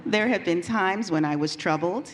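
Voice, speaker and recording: Woman reader, lowish pitch, measured scripted recitation, echoey hall reverb. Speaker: reader in a church readers' theater. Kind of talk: scripture reading, scripted narration. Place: church sanctuary during a live service. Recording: distant, echoey hall with faint noise.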